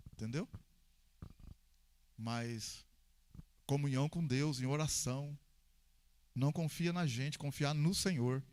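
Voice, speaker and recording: A Brazilian man preaching a sermon as pastor, telling stories with acted dialogue and swinging between calm and loud passages. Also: on the high side. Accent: Brazilian Portuguese.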